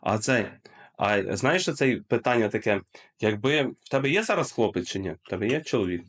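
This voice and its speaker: A man's voice: on the low side, lively intonation, brisk, fairly bright tone. A man with a Ukrainian accent hosting a video chat, asking probing questions and answering with short acknowledgements. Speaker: streamer, host. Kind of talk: casual chat. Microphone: video call.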